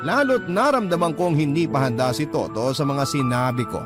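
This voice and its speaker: Isang lalaking tagapagsalaysay na nagbabasa ng liham ng pag-ibig bilang kuwento sa unang panauhan. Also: male voice, fairly high pitch, expressive, normal speed. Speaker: narrator reading a letter. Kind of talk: first-person scripted story narration. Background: music.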